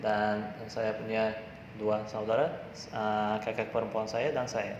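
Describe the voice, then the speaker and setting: A man speaks at a very slow pace in a monotone, flat intonation, his loudness very even. Audible room echo and noticeable background noise surround him. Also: fairly low pitch for a man. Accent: Uzbek. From Uzbekistan. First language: Uzbek (speaking Indonesian). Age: 20s. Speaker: university student. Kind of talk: interview. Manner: halting.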